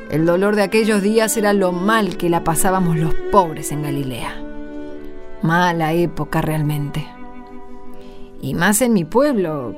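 An actress playing a village woman who tells her memories in a radio drama, intimate and reflective. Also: low-pitched. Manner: intimate, reflective, repeats phrases. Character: older Galilean village woman recalling her hard youth. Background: string music.

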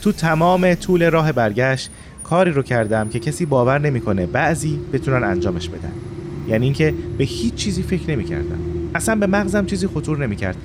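Man narrating a reflective story, lively pitch. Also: heavy background noise. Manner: reflective first-person telling. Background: faint music.

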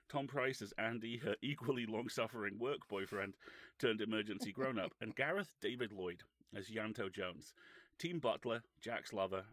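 A British man with a fairly low voice spins a casual, profane anecdote, dry and wry in his delivery. The sound is close and dead, with no room around it. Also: a bit bright, no room sound. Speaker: podcast co-host.

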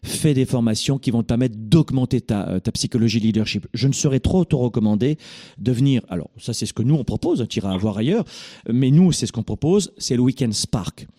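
A man's voice: medium pitch, expressive, a little fast, dark tone. A middle-aged man hosting a call-in coaching show, speaking in an emphatic, preachy, directive way.

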